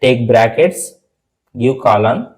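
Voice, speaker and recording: A man's voice: medium pitch, animated, takes it slowly. A man with an Indian accent giving a step-by-step programming tutorial in a repetitive, instructional manner. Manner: repetitive, instructional, spells terms out letter by letter.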